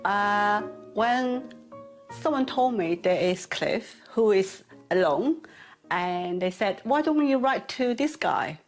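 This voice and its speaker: A woman's voice: mid-range voice, lively intonation, slow pace, faint music behind. An older woman chatting casually as a house hunter, using chatty, phrasing. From Hong Kong. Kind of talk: casual interview chat.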